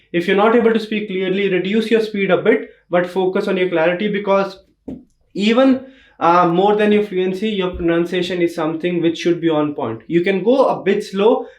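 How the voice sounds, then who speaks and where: A man's voice: high-pitched, roomy sound. A young man with an Indian accent teaching exam tips in an emphatic tutorial style, repeating key points. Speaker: test prep teacher. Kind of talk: instructional tutorial.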